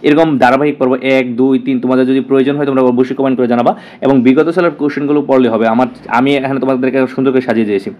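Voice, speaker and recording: A man teaching an exam-prep lesson, repeating key words and often asking the students "clear?". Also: mid-range voice, steady tone, racing, darkish tone, dull audio. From Bangladesh.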